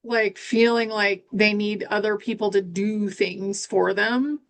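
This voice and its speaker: A woman's voice: mid-range voice, fairly even intonation, a little slow. Easygoing woman in casual chat. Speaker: co-host.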